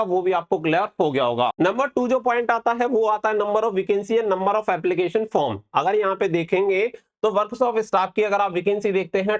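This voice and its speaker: A man hosting an exam-prep update, explaining things to students step by step and repeating key points. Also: sits high. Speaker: exam-prep channel host.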